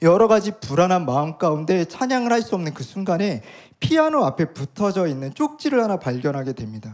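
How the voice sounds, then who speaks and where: A man's voice ranges through very wide pitch swings. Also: very clean recording, silent background. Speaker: pastor. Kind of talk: sermon. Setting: church.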